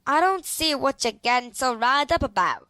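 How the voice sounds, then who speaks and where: A cautious, level-headed young twin sister voiced by a woman in an audio drama. Her voice is very high and bright, with a crisp, clean tone. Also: animated, moderate pace, no room sound.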